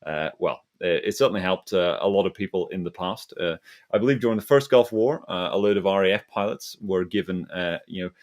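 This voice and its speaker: A man hosting a casual panel discussion, speaking in a hesitant, rambling way. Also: sits low. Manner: hesitant, halting, rambling delivery. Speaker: host of an investment discussion.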